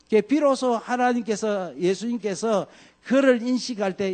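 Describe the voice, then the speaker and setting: Man preaching, pastor, lively swinging pitch, fairly high voice, dramatic quoted lines. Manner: animated preaching, voice swings from loud highs to quiet lows. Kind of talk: sermon.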